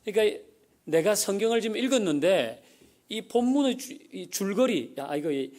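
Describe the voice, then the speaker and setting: A man's voice: high voice, lively intonation, normal speed, darkish tone. A middle-aged male pastor giving a folksy sermon, asking the congregation questions as he teaches. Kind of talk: sermon teaching on Bible reading.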